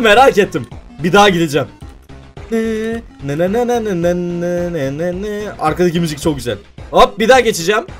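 A man giving playful, excitable let's-play commentary at his computer, often exclaiming and laughing as he talks to viewers. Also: high voice. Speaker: gaming YouTuber.

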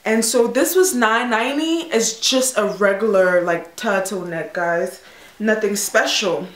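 A woman's voice: mid-range voice, a little slow, roomy sound. A woman in a casual haul video, chatting in a bubbly, gushing way with lots of fillers. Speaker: fashion vlogger.

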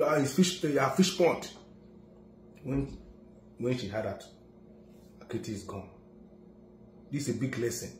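A middle-aged man with a Nigerian accent giving emphatic political commentary, dropping to low solemn murmurs and rising to loud declarations. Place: indoor office room. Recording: echoey room.

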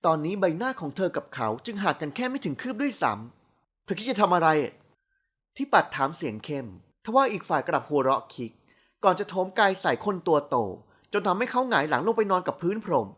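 Woman reading a romance audiobook, lots of ups and downs in her voice, expressive. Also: lowish voice, fast. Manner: expressive storytelling. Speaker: narrator. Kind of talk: audiobook narration of a romance novel.

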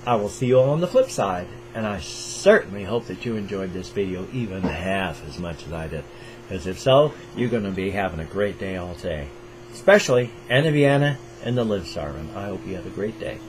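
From a small room at home, an older Pacific Northwest man hosts a reaction video, chatting to camera with eager enthusiasm. He holds his voice in a raised register, deliberately slows his speech, and lets his pitch rise and fall animatedly, all over an over-ear headset mic with a faint hum below.

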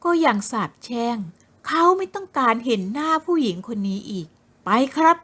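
A woman narrating a novel in a slow, measured storytelling manner. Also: high voice, very animated, breathy edge. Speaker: audiobook narrator.

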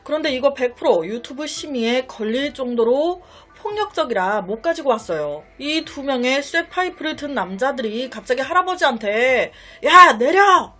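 A woman's voice: sits high, animated, moderate pace, few pauses. A woman telling a true-crime story in a chatty, dramatic way, talking directly to her viewers. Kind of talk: casual true-story narration.

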